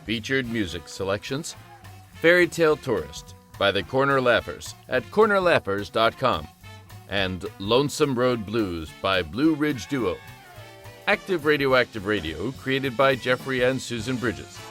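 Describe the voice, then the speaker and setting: A man's voice: medium pitch, sing-song, a little slow, a bit bright. A man reading scripted credits as the announcer of an audio drama, with guitar music behind him.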